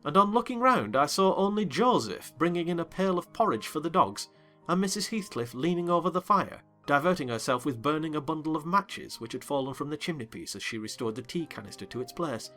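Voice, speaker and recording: A man narrating a dramatized audiobook reading in an expressive, wry manner. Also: on the high side, fairly quick, soft background music.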